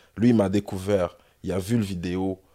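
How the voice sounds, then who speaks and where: The recording is very clean against a silent background. The man's tone is dark and mellow. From Montreal, Saint-Léonard. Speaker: rapper. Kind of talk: casual interview.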